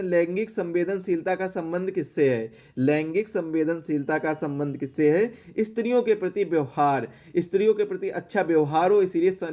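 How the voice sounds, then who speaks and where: A man's voice: fairly high pitch, warm tone. A man teaching an exam question-and-answer lesson in a didactic way, repeating key phrases for emphasis.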